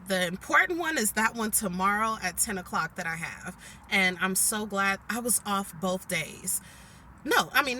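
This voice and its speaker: Brief: forties woman vlogging from her car, ringing bright tone, chatty and fed-up. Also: medium pitch, slight background noise. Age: 40s. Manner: chatty venting, keeps addressing viewers as "guys". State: annoyed. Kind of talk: casual vlog chat. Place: inside a parked car.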